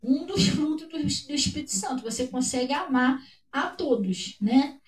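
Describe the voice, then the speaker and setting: High-voiced Brazilian woman in an echoey room. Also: expressive, moderate pace, recorded from a distance. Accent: Brazilian Portuguese. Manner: preacherly, repeats words, acts out shouts. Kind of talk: casual chat about faith.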